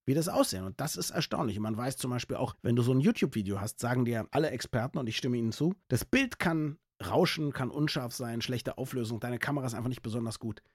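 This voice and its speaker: Husky, chatty man. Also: mid-range voice, fast, few pauses, dry recording, clean studio sound. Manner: lively, opinionated, laughs often. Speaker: podcast co-host, speech trainer. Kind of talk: casual chat.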